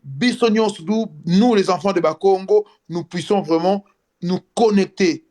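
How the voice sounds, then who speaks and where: In France, a man appears as a guest on a casual live video chat, speaking in a high voice with a dark tone. He is earnest but halting, often restarting his sentences.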